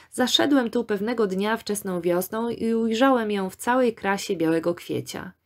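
A cheerful, eager young man, a student in an audiobook story, read by a woman in nearly her own voice. He speaks warmly and with lively enthusiasm. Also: on the high side, natural voice.

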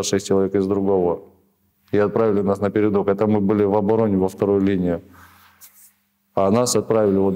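A man in his thirties, a prisoner of war being interviewed in a small office, answering in halting, rambling sentences full of restarts. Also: fairly low pitch, dark tone. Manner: hesitant, rambling, many restarts and fillers.

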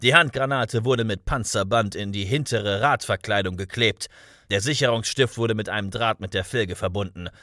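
A man reading the part of a calm male homicide chief explaining facts in an audiobook. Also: on the low side, normal speed, dry recording, clean studio sound.

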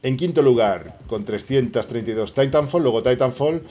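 A middle-aged man from Spain speaks with a Spanish accent in a mellow, relaxed tone. He jokes and curses casually while narrating his game to viewers. His voice comes close through a headset mic in a small room. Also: medium pitch, normal speed. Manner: joking, swearing, chatty asides to viewers. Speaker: gaming channel host. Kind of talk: casual gameplay commentary.

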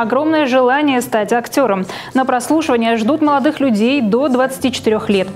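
A woman's voice: on the high side, darkish tone. A young woman reading scripted news as a presenter in a TV studio. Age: young adult. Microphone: lapel mic.

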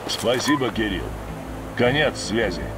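An actor playing a military colonel speaking over a radio transmission in a video game. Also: male voice, on the low side, expressive, measured pace, loud music behind the voice.

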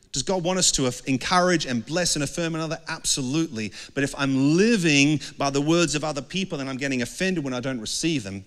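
A man's voice: a little high, fairly bright tone. A middle-aged man preaching a conversational sermon on a handheld mic, often asking the congregation questions. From Australia. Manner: conversational, earnest, asks the crowd questions. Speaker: pastor. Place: dark indoor stage with a couch. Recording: long hall reverb.

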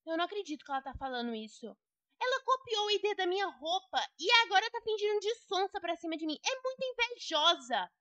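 A woman's voice: extremely high pitch, big pitch swings, fast, pushed and bright, no echo, muffled recording. A young woman with a Brazilian Portuguese accent giving gossipy, indignant role-play commentary on a game to her viewers. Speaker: Roblox gamer.

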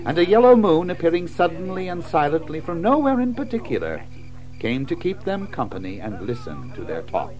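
A man narrating a children's story in an expressive, measured storytelling manner. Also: a little high, faint music behind, rough recording. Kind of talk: scripted storybook narration in an audio drama.

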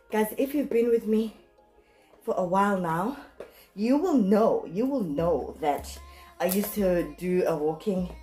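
Woman, thirties, medium pitch, chatty vlog style, playful and animated, faint music behind. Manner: playful, animated, giggly, self-mocking. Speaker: vlogger. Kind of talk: casual chatty unboxing vlog. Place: room at home.

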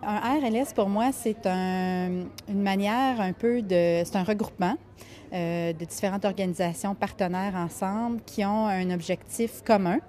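A woman's voice: mid-range voice, a little slow, mellow. A woman in her thirties with a Quebec French accent, answering hesitantly with many fillers. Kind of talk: vox pop interview answer.

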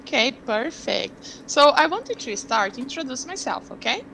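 This young woman from Brazil, who speaks Portuguese natively, runs an online language tutoring session on a headset and asks patient, curious questions. Her high-sitting voice is very animated and unhurried, both gravelly and pushed-bright. The audio is rough with a little hiss or hum.

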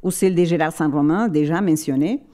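Woman, lecturer, lowish voice, mellow tone, measured and explanatory, frequent searching pauses. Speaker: conference speaker. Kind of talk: academic lecture at a library event.

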